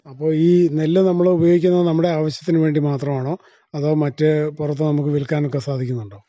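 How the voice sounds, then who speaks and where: Very mellow, quick-talking Kerala man interviewing. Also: a little high, steady tone, no echo. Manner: inquisitive, often ends with confirming tag questions. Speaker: radio interviewer. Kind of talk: conversational interview questioning. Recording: dull, band-limited dry radio recording.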